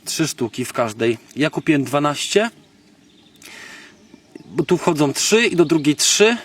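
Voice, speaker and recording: A man from Poland gives a casual, unscripted gadget demonstration as a video blogger, halting and thinking aloud in colloquial, slangy speech. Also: a little high, very animated. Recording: noisy, distant microphone, background clicks.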